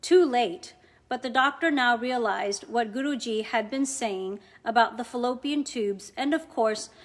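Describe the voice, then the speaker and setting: Woman, higher voice, measured and deliberate, scripted reading of a spiritual devotional account. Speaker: devotional reader.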